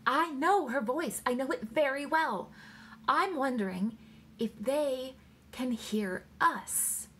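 A woman reader voicing an excitable, anxious wife who exclaims and insists, in an audiobook story. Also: sits high, measured pace, pitched above the performer's own voice, heavily acted. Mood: agitated, hushed. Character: excitable young wife, curious and anxious eavesdropper. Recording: clear background noise.

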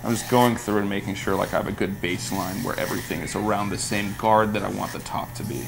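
A man working as a barber who explains the haircut step by step in a relaxed, casual way, in a barbershop. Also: fairly low pitch, fast talker, gravelly, poor audio. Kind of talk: casual explanation while cutting hair. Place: barbershop, indoors.

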